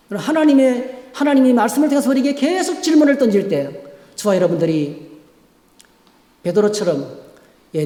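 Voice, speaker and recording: A male pastor delivers a sermon in a high, ringing voice. He pushes to loud, urgent peaks and then falls back to quiet, intimate lines. The sound carries the long, roomy echo of a church sanctuary. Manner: emphatic preaching with sweeping rises and drops in volume. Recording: echoey church hall.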